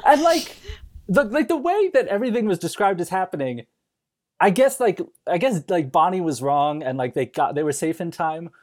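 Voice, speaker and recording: A woman's voice: on the low side, expressive, normal speed, a little mellow. A woman in casual comedic podcast banter about a film, giggly, sweary and mock-indignant, restarting her phrases as she goes. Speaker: podcast speaker discussing a film.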